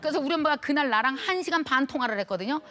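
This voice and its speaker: A middle-aged woman lecturer telling a personal story to an audience in a lively, heartfelt, colloquial way. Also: sits high, racing.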